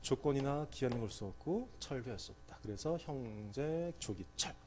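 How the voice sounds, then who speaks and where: A man's voice: mid-range voice, animated, normal speed, mellow. A middle-aged man giving an exam prep law lecture, quizzing students and answering his own questions.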